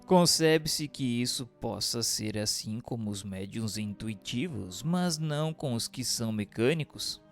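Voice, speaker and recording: An actor playing an earnest male inquirer in a radio drama, speaking formally and methodically with a gravelly voice. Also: mid-range voice, expressive, a little slow, few pauses. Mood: inquiring. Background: music.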